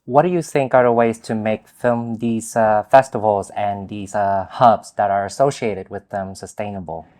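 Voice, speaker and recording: Low-voiced man asking halting questions. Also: fairly even intonation, a little mellow. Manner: hesitant, with many "uh" pauses. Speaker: journalist and interviewer. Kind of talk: interview questions.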